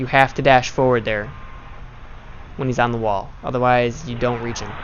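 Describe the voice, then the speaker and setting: Amid noticeable background noise, a man speaks in monotone, flat intonation. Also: medium pitch for a man. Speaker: gaming tutorial creator. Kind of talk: tutorial. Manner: fast.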